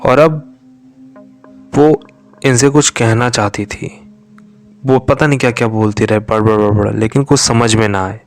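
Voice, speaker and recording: Man, horror storyteller, slow, mid-pitched, hushed, faint background music. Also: steady tone. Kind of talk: narrating a true horror story.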